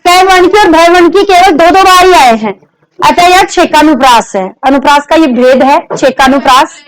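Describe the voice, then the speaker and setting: A woman's voice: high voice, moderate pace, poor audio. A woman teacher giving a classroom lecture on grammar, explaining step by step, repeating examples and putting questions to her students.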